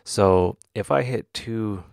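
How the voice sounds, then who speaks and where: A man hosting a software tutorial in casual talk, halting and thinking aloud as he demonstrates. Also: lowish voice, vocal fry, noisy background. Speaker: tutorial host.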